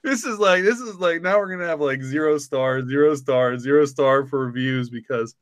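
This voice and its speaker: A man's voice: on the high side, moderate pace, no echo, clean studio sound. A man in casual podcast chat, joking and teasing in his way of talking.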